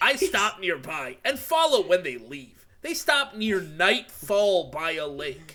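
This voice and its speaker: Putting on a character voice, a man speaks at a fairly slow pace in a high pitch, with very wide pitch swings and big swings in loudness. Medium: read story. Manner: brooding, self-pitying.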